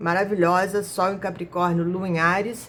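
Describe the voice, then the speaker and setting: Here is a woman with a medium pitch. Her intonation stays fairly even. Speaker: astrologer. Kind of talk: video monologue, astrology forecast.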